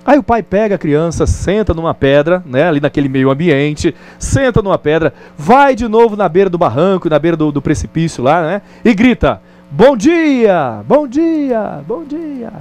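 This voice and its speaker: A Brazilian male teacher giving a recorded distance-learning lesson. He talks in a light, fairly high voice and keeps a friendly, conversational pace. He often stops to check in with the listener. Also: lively intonation, fairly quick, few pauses, a little mellow. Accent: Brazilian Portuguese.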